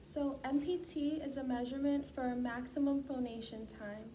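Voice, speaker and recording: A woman with a high voice speaks as a clinician, formally reading out procedural instructions. She is picked up from some distance from the mic, with clear noise in the recording. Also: steady tone, moderate pace, mellow. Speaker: student clinician giving a voice assessment.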